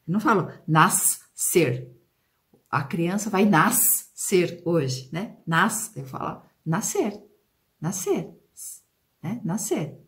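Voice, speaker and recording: A Brazilian Portuguese-accented woman teaching children, sounding out words slowly and prompting the class with questions. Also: mid-range voice. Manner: slow, drawn-out pronunciation of example words; questions and prompts aimed at pupils. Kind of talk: video lesson for children.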